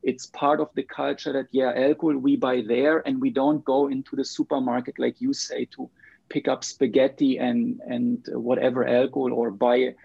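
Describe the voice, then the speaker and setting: A man from Germany with a German accent, speaking English in a measured, conversational way as an interviewer. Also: mid-range voice, level tone, vocal fry, slightly rough, no room sound, muffled recording. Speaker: interviewer, host.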